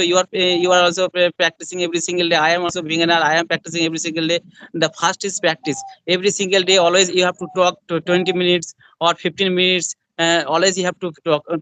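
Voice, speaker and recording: Young indian guy, bengali accent, high-ish voice, lots of uh and repeats, dry sound. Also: fairly bright tone, no echo, low-quality recording. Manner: repetitive, with many fillers. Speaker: interviewer in a practice conversation. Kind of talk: casual conversation practice.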